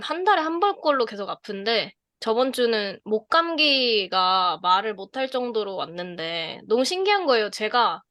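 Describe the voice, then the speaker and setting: A woman's voice: a little high, a bit bright, dry recording, studio quality. A woman of about thirty chatting casually as a podcast co-host. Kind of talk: casual chat. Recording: music playing behind the talk. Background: background music.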